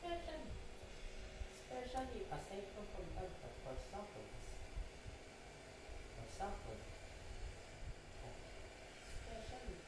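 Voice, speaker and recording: A Filipino woman chatting casually in a halting, repetitive way, mixing Tagalog with English. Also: medium pitch, wildly swooping pitch. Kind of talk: casual rambling chat while driving. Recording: very echoey, distant mic, noisy background.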